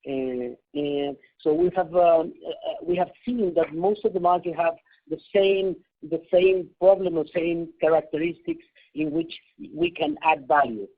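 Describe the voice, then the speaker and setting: Exec, gravelly, hesitant, tinny phone audio. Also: male voice, a little high, lively intonation. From Chile. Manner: halting, many fillers and restarts. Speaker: executive at partner company. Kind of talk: conference call remarks.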